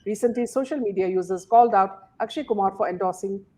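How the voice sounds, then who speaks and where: A woman's voice: mid-range voice, fast talker, mellow. Woman hosting a chatty commentary. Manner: many fillers and "you know"s. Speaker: host. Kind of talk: casual commentary chat.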